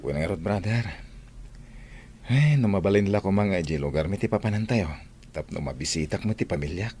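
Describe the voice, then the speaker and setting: Low-voiced, friendly Ilocano seminarian male actor. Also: expressive, brisk, a little mellow, slight background noise. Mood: hopeful. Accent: Ilocano Filipino. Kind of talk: Ilocano radio drama acting.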